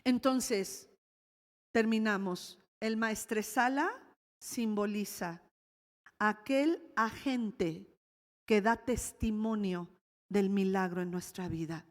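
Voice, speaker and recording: A woman pastor with a Mexican accent preaching a sermon, lively, with laughing asides and sudden exclamations. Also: mid-range voice, takes it slowly. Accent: Mexican Spanish. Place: church hall. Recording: long hall reverb.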